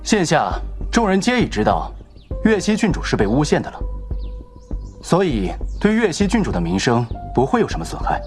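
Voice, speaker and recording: An earnest young prince, whose fairly high voice rises and falls expressively. He speaks in formal court language, and clear drama music runs under him. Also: huge pitch swings, normal speed. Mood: reasoned. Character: earnest young male prince, quick-tempered. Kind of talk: period drama acting. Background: soundtrack music.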